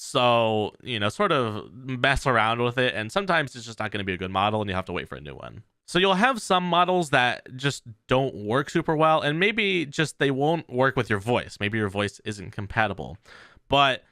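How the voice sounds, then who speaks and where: A man's voice: mid-range voice, lively intonation, normal speed, bright, forceful tone, dry recording, clean studio sound. A man hosting a tech channel, giving a casual tutorial in a loose way full of fillers. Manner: loose, filler-heavy explaining.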